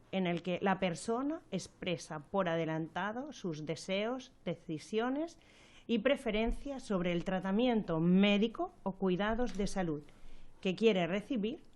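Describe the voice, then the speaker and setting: A woman, a health professional on a radio health segment, explaining a topic in a measured way with fillers and restarts. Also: medium pitch, darkish tone.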